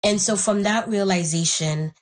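A woman's voice: mid-range voice, normal speed. A young woman from Haiti whose first language is Haitian Creole, thoughtfully telling her own story as an interview guest and searching for the right words. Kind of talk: reflective personal story.

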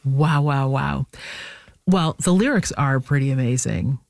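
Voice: mid-range voice, a little slow, creaky, no echo. Attentive host, dry studio sound. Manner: attentive, backchannels often with short affirmations. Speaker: radio host. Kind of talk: interview hosting.

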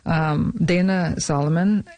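A woman from Saskatchewan, Canada, answering interview questions about her film in a studio, halting often with fillers and restarts. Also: low voice, steady tone, darkish tone, no room sound. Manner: hesitant, many fillers and restarts. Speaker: filmmaker guest. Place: radio studio.

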